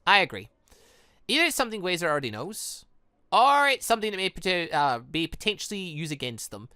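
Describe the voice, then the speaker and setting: Animated, bright-voiced game commentator. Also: mid-range voice, fairly quick, smooth, no room sound, studio quality. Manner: rambling, stumbles over words. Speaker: gaming channel host reading and reacting to a visual novel. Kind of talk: casual let's-play commentary with read-aloud dialogue.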